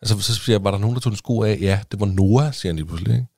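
Low-voiced man telling a story. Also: vocal fry, dry recording, studio quality. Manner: animated storytelling, swearing, acting out dialogue. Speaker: podcast co-host. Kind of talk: casual chat.

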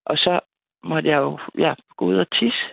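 A woman's voice: deep voice, fairly even intonation, vocal fry, no echo. A woman calling in to a night radio show, telling a story in a chatty way and laughing between sentences. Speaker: caller. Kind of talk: casual phone-in storytelling. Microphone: telephone. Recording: tinny phone line.

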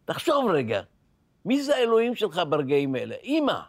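A man's voice: high voice, huge pitch swings, no room sound. An older man, a podcast interview guest, telling his life story in an emotional, vivid way, often repeating words as he speaks.

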